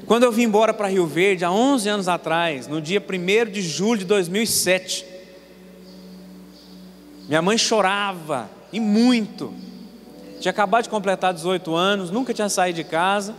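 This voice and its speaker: High-voiced young pastor preaching in church. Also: male voice, normal speed, a little hiss or hum. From Paraná, Brazil. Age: 20s. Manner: storytelling with rhetorical questions to the congregation. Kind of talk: sermon. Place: church sanctuary. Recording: long church reverb, faint room ambience.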